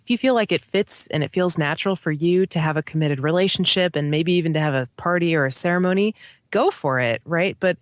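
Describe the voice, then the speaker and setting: A woman's voice: on the low side, a little fast, dry recording, clean studio sound. A woman in her thirties, a guest in a casual interview, talking earnestly and thoughtfully, often tagging on "like" and "right?". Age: 30s.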